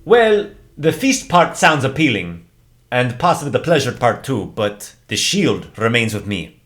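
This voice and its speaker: A man's voice: mid-range voice, very animated, measured pace, fairly bright tone, pitched above the performer's own voice. A man voicing a brash, boastful sailor adventurer with a crude tongue.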